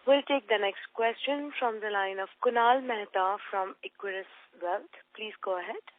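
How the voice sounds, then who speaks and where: A woman's voice: mid-range voice, moderate pace. A woman moderating a conference call as operator, formal and scripted in her politeness. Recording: dry narrow phone line.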